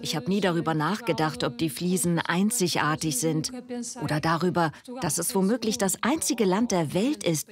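Lower-voiced woman over crowd noise. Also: normal speed. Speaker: voice-over translator of an interviewee. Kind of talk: dubbed interview voice-over.

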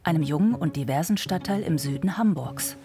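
A woman narrates a documentary in a calm, measured voice, pitched somewhat low. Music plays clearly beneath her words, in the manner of a television report.

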